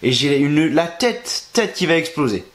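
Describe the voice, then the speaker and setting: A man's voice: a little high, very animated, measured pace. Sick young male vlogger, congested, sarcastic and crude, recorded in a roomy space. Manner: crude, exasperated, sarcastic ranting. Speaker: wrestling review youtuber. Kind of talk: ranting video review. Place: at home, in a bedroom. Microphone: camera facing him.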